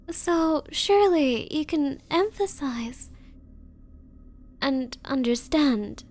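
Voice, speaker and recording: A woman acts out an obsessive yandere bride for an anime-style ASMR roleplay. Her voice is high and she takes her time, cooing to the listener with coy, hesitant sweetness. Beneath the considerate manner she is possessive and menacing. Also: darkish tone. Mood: sweetly insistent.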